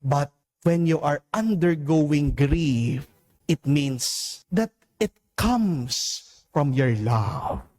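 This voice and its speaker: A Filipino priest giving a homily, preaching slowly and deliberately, drawing out English phrases and asking his listeners "Amen?". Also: a little high, animated, warm tone. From Philippines. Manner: slow, deliberate preaching with emphatic rises and drawn-out English phrases; addresses listeners as "mga kapatid" and asks "Amen?".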